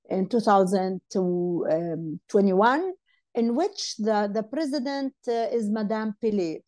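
Older Arabic-speaking woman, mellow halting talk. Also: fairly high pitch. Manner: halting, many fillers and restarts. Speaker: panel speaker, legal advisor. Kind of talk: online panel talk. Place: home room. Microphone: earphone headset on video call.

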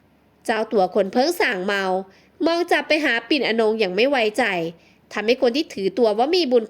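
A woman narrating an audio novel in an even, polite storytelling manner. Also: on the high side, fairly quick.

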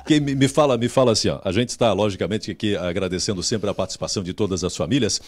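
A man's voice: fairly low pitch, fast talker, no room sound. A middle-aged man with a Brazilian Portuguese accent, reporting live on a TV cooking segment from a home kitchen, with a handheld mic, talking in an upbeat, exclaiming way and often repeating words.

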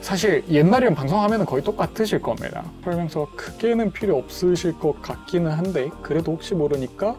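A man's voice: a little high, animated, brisk, hardly any pauses, darkish tone, faint music behind. A young man casually explaining things as he works as a setup technician in a small room. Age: young adult. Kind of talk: casual explaining while working. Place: small bedroom studio, indoors.

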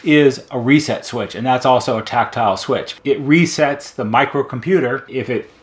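A man's voice: mid-range voice, moderate pace. A middle-aged American man giving an unscripted hands-on demonstration as a repair technician, explaining methodically in plain words. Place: indoor repair workshop at a bench.

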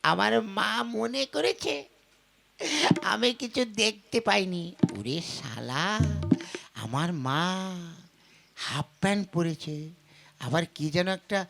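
A woman puts on a mischievous young village boy for a folk puppet comedy. The boy mutters and exclaims to himself, cheeky and full of greedy schemes. Loud music runs behind the voice. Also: on the low side, expressive, slow pace, vocal fry, long pauses, heavily acted. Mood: scheming.

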